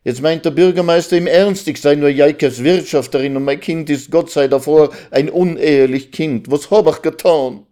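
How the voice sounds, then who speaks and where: A man voicing a distraught Jewish village mother who laments loudly over her child's honor. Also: expressive, moderate pace, close to an everyday voice. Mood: wailing. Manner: lamenting, high and insistent.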